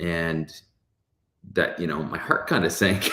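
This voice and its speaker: This man has an American accent. His voice is very deep and low-pitched. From Connecticut, US Northeast. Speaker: kayak angler, video creator. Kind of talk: casual interview chat. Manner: hesitant, many fillers.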